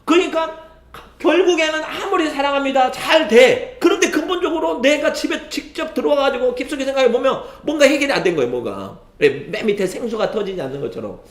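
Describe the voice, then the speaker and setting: A man's voice: very high voice, sing-song, quick pace. A male pastor preaching a sermon, telling a story with many affirming interjections. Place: church sanctuary. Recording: echoey church sanctuary.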